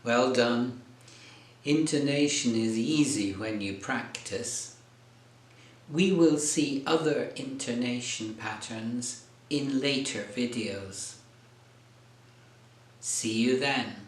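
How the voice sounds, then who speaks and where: A man working as an English tutor, narrating a scripted lesson slowly and clearly. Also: mid-range voice. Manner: slow, clear teacher delivery. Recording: echoey room.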